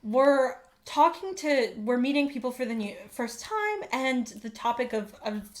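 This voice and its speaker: Young woman w/ a high voice telling stories on a podcast, laughs a lot. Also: expressive, a little slow. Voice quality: naturally high-pitched voice. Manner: storytelling, laughing. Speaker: guest co-host. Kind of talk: casual chat.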